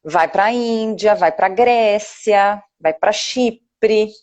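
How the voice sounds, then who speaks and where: A woman's voice: mid-range voice, very slow, darkish tone. A woman, a fertility doctor, explaining rules plainly as a guest on a live video chat. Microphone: video call.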